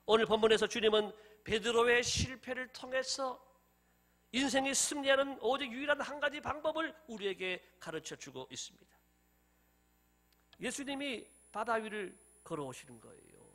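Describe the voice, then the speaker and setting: A middle-aged man preaching a sermon as pastor, animated and acting out scenes in different voices. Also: extremely high pitch, moderate pace.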